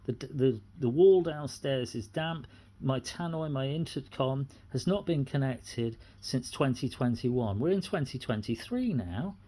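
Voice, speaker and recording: Speaking unscripted, this middle-aged British-accented tenant delivers a personal grievance, aggrieved and indignant, repeating the same complaints. The voice sits at medium pitch, animated yet measured in pace, with a dark tone.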